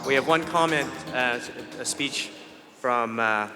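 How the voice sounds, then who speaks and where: A man's voice: mid-range voice, measured pace, music in the background. A man emcee making an apologetic, improvised announcement at a gala. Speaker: master of ceremonies. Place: banquet hall. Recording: distant voice with long hall reverb.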